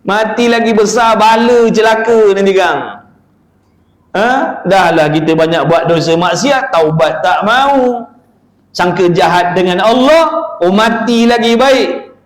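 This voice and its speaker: A man's voice: high-pitched, takes it slowly. A man giving a dawn religious lecture in a neighbourhood prayer hall, talking in a colloquial, chatty way and asking rhetorical questions. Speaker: religious teacher.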